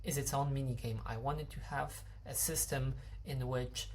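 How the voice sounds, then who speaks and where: A man's voice: mid-range voice, steady tone, normal speed, a little hiss or hum. A young man, a game developer explaining his code, hesitant with many fillers and restarts. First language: Polish.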